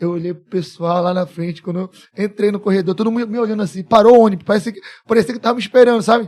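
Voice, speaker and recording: A man talks at a very fast pace in a high pitch. His loudness swings widely. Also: ordinary pitch variation. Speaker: entrepreneur. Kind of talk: storytelling interview.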